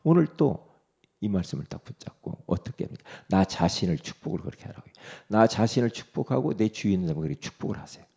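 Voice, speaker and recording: A male pastor delivers an animated sermon with a heavily gravelly, husky voice. His tone is dark and low, and his pitch leaps around as he speaks God's reassurances straight to the listener, rising to loud exhortation and dropping to soft, near-whispered comfort. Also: fast talker.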